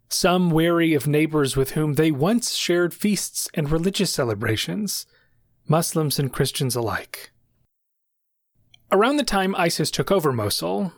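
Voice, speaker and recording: A man hosting a podcast, narrating a scripted story in a measured, clear way. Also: a little high, no room sound, studio quality. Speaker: podcast host.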